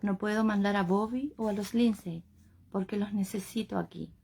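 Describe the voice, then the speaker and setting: Audiobook: woman reading a patient, wounded Scottish man, quiet and firm, slight gravel. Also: medium pitch, normal speed. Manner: quiet, calm, reasoning tone.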